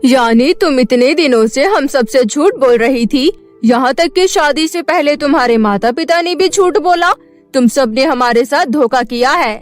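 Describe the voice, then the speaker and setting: Woman acting an imperious scolding queen, highish voice. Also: expressive, measured pace. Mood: angry, accusing. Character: angry haughty mother-in-law queen, middle-aged. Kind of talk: Hindi cartoon story dubbing. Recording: music bed behind the voice.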